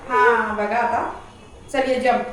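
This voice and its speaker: A woman's voice: on the high side, steady tone, slow, crowd noise. A woman vlogging at home in her kitchen, chatting away and alternately coaxing and scolding her dog. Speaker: vlogger and pet owner. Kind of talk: casual home vlog talking to her dog. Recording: very echoey room, voice from a distance, faint noise.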